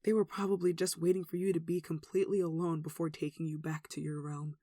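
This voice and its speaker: A performer playing a devout, tender human devoted to a demon in an ASMR roleplay, speaking softly and earnestly with emotion. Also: mid-range voice, little pitch movement, fast talker, no echo, clean studio sound, natural voice. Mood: tender, admiring. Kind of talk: ASMR roleplay, one-sided dramatic dialogue.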